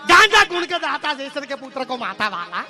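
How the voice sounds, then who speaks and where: A man doing a high pleading devotional singer. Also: very animated, a little fast, over music. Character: male devotional singer declining to sing.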